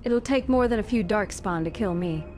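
A woman's voice: medium pitch, moderate pace, darkish tone, lightly acted. A woman voicing an earnest, questioning young female elf warrior as an amateur game voice-over. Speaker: player voicing her protagonist. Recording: home microphone with clear background noise.

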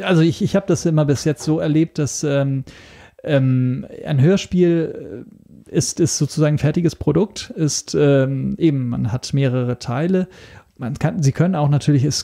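A man's voice: on the high side, creaky, mellow. A man talking casually as a podcast guest, searching for words and often restarting his phrases. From Italy. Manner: halting, searching for words with repeated starts. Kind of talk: casual interview talk.

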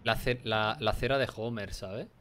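A man's voice: on the low side, fairly even intonation, moderate pace, background noise. A young man with a Spain Spanish accent giving crude, swearing, laugh-prone commentary while streaming a horror game. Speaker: gameplay streamer. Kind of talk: casual horror let's-play commentary.

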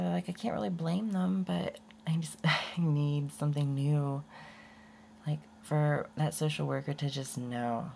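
A young woman rambling candidly in a casual unedited vlog, her voice prone to going hoarse. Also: sits low, darkish tone, a little hiss or hum. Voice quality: voice often goes hoarse. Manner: rambling and candid, with many restarts and laughs. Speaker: vlogger.

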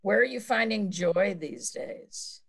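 A woman's voice: mid-range voice, lively intonation, slow pace, creaky, slightly rough. An older woman hosting a casual interview over a video call from her home, speaking in an effusive, praising manner. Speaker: host. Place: home room with bookshelves.

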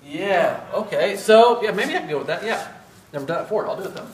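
A man's voice: high voice, lively intonation, quick pace, a little hiss or hum. A middle-aged man teaching at a whiteboard through a face mask, casual and self-deprecating, quizzing his students as he goes. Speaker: respiratory therapy instructor. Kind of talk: classroom whiteboard lecture. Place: large classroom with whiteboard. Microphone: far camera. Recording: echoey room from far off.

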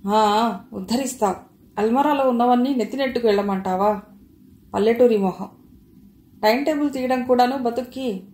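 A woman reading a short-tempered young husband in a storybook, curt and sneering as he snaps at his wife. Her voice sits somewhat high. The room adds a clear echo. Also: moderate pace, long pauses, mellow, lightly acted. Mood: irritated. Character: irritable contemptuous young husband.

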